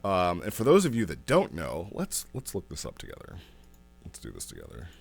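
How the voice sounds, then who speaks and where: A man hosting a casual review, talking informally and haltingly in an amused way as he thinks aloud. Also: low voice, wildly swooping pitch, vocal fry, husky. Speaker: host reviewing role-play logs. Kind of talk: casual rambling review commentary.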